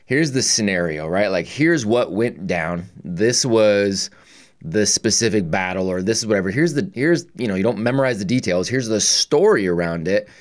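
Male interview host, lower-pitched voice, informal slangy delivery, conversational. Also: expressive, normal speed. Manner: informal, slangy, says "dude" and "man" often. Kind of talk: casual chat.

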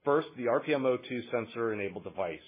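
A man in the role of a company finance executive reads a scripted financial report in a formal, measured way. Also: mid-range voice, animated. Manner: formal, measured reading of figures. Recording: muffled, narrow phone-line conference audio.

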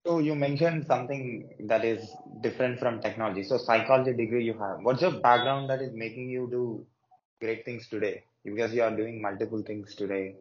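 A man hosting a podcast interview, asking his questions in halting, carefully built phrases with many fillers. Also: mid-range voice, fairly even intonation, lo-fi sound. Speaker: podcast host.

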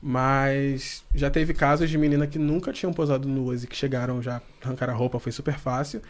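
A man in casual podcast chat about his photo shoots who often breaks into high laughter. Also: level tone, brisk. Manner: laughs often, giggling high when amused. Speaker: photographer for a men's magazine.

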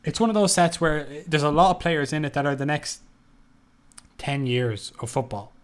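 A man co-hosting a podcast, chatting casually and agreeably with quick asides. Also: on the high side, expressive. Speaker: podcast co-host. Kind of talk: casual chat.

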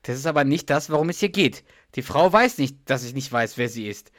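A man's voice: mid-range voice, expressive, a little fast, dry recording, studio quality, natural voice. A man reading a flustered, defensive husband. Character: blustering man who fakes a heart attack. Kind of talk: podcast read-through of a sitcom scene.

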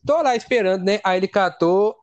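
A man in casual comedic chat, telling animated stories with a lot of swearing. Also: high voice, a little fast, dry recording. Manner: crude, animated storytelling with swearing.

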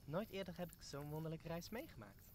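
A woman plays a young, admiring courtier in a Shakespearean audio drama. Her voice is low, with earnest, flowery delivery. Faint background noise is present. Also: animated, fairly quick, darkish tone.

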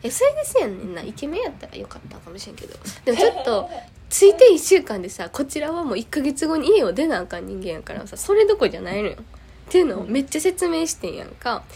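A woman with a high, fast voice and a Kansai accent tells a lively story during a casual podcast conversation, performing each person's lines herself as a co-host. She was recorded remotely.

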